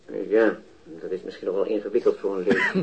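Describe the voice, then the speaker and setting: An actor playing a middle-aged, evasive doctor in a radio drama, hesitant and dryly pedantic, heard on a taped playback. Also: male voice, low voice, fairly even intonation, fairly quick, vocal fry, poor audio. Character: evasive, pedantic male physician, dryly cautious.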